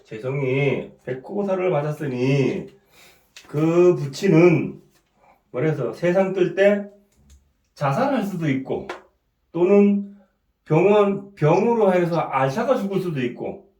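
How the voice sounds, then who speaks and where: A middle-aged man with a cold and a sore throat, giving an informal lecture. He keeps asking "right?", clears his throat often and restarts his sentences. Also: on the high side, animated, slow, warm tone, recorded from a distance. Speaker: saju fortune-telling teacher. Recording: echoey room, voice set back from the mic.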